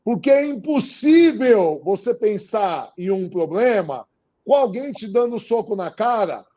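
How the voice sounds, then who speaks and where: A guest with a Brazilian Portuguese accent talks casually in an interview, his voice high and his pace measured. He's animated, repeating phrases for emphasis and acting out what other people said.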